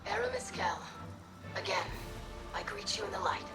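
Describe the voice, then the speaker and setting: A young woman playing an earnest, gentle alien scholar in a game, speaking formally in a breathy, whispery voice. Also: mid-range voice, wildly swooping pitch, over music. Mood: solemn, earnest. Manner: formal, measured, earnest diction. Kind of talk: scripted game dialogue.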